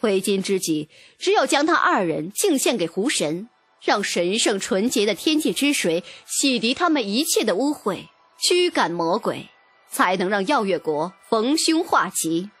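Woman voicing a pompous, solemn sorceress, husky. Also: medium pitch, very animated, measured pace, a bit bright, soft background music, pitched below the performer's own voice, heavily acted. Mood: solemn, ominous. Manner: solemn, ceremonial, earnest. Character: pompous solemn sorceress delivering false divine verdicts.

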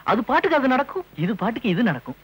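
A man's voice: very high-pitched, sing-song, rapid-fire, slightly rough, full character voice, poor audio. An actor playing a cheeky, evasive young son who jokes with his parents in a film comedy. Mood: teasing. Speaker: young son starting a business. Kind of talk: 1980s Tamil film comedy.

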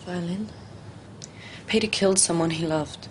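An actress as a hesitant young violinist. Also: female voice, fairly low pitch, close to an everyday voice. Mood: troubled, hesitant. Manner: hesitant, halting. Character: young woman, anxious violin student in love. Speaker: violin student. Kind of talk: television drama acting. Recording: noisy TV soundtrack.

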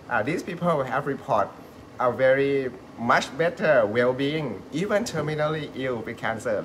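A man from Thailand with a Thai accent, hosting and teaching on a live stream. He talks in a halting way, searches for words and chuckles often. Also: medium pitch, a bit bright, slight background noise. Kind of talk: live-stream talk, switching between English and Thai.

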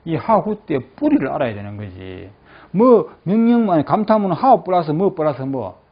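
A male English teacher in a classroom, saying phrases slowly and then explaining them, often checking that the class follows. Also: fairly high pitch, big pitch swings. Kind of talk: classroom lecture with repeat-after-me drills. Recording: dull lo-fi classroom recording.

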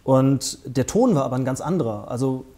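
Man in his forties, dark voice, halting interview guest with many fillers and restarts. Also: mid-range voice, lively intonation. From northern Germany. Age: 40s. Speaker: interview guest, festival founder. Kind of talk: conversational interview. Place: small studio set with armchairs. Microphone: lapel mic.

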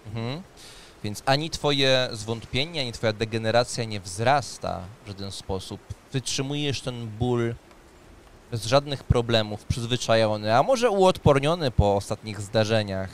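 A man acts as game master at a tabletop session, close on the microphone. His voice is mid-pitched, moving between narration and rules. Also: animated, unhurried, a little hiss or hum. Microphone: studio mic on a boom arm, close.

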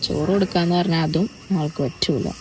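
Chatty young woman with a lowish voice. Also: steady tone, fast, warm tone, slight background noise. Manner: chatty, often turns to viewers with asides. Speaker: family vlogger. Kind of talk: casual day-in-my-life narration.

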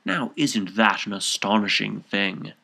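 A self-assured middle-aged gentleman, as a male narrator plays him, holds forth in a storybook tale. His delivery is declamatory and solemn, with a sharp, forceful edge on each point. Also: unhurried, creaky, full character voice. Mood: emphatic. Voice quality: deep, raucous.

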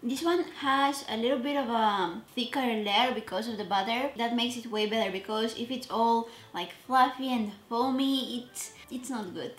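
A woman's voice: a little high, moderate pace, hardly any pauses, roomy sound, faint music behind. A woman with a manner, chatting casually and self-deprecatingly while cooking for a vlog. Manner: chatty, self-deprecating, trails off mid-sentence. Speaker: cooking vlogger. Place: home kitchen.

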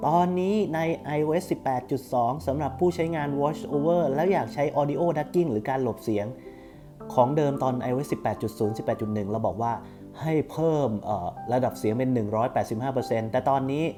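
A man's voice: medium pitch, a little fast, over music. A man hosting a casual step-by-step tutorial, instructing politely and repeating steps as he goes. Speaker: tutorial host for screen reader users.

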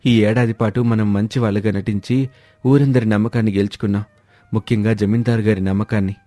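Low-voiced sly conman husband, played by a man. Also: steady tone, fairly quick, dark tone, natural voice. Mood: sly, persuasive. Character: scheming fake holy man, sly village husband. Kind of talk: scripted animated moral-story dialogue. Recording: background music under the voice.

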